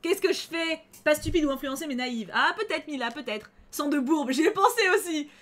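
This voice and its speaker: A young woman hosting a game channel, chatting excitably through a let's play and reacting loudly and emotionally. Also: high-pitched, a little fast. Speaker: gaming channel host.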